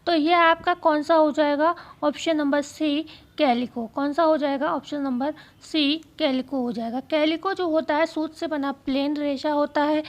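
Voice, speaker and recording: A woman teacher going through exam questions, speaking slowly and repeating key phrases so students can write them down. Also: high-pitched, fairly even intonation. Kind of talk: exam-prep lesson.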